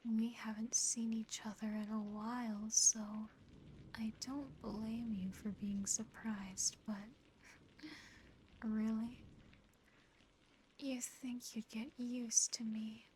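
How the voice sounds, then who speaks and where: A woman voicing a teasing, condescending, darkly affectionate female demon in a breathy, close-miked ASMR whisper. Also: on the high side, level tone, a little mellow, low-quality recording. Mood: amused condescension. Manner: slow, taunting, lingering over words. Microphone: close ASMR microphone. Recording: faint background noise and ambience.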